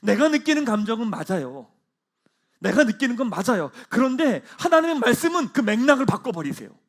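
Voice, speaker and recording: Guy pastor preaching sunday service, high lively voice, goes big then drops real quiet. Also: brisk. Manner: swings from loud proclamation to hushed, low asides. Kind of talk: sermon. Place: church sanctuary.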